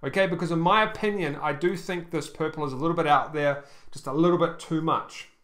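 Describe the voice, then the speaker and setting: A man reviewing an online store over a screen share, casual and halting, with many ums and restarts, often checking in with "okay?". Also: on the high side, a bit bright.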